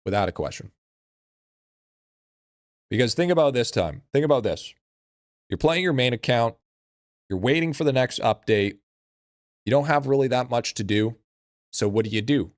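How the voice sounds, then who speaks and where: A man's voice: mid-range voice, lively intonation, normal speed, pauses often, dry recording, studio quality. A man livestreaming in casual chat with a slangy, profane frat bro manner. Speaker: live streamer.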